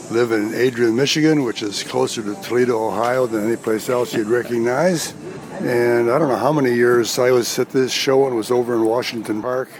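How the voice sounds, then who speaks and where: Against noticeable background noise, a man with an American accent speaks fairly quickly at a medium pitch with fairly even intonation. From Chicago area, northwest Indiana. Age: 80s+. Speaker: visual artist. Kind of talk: interview.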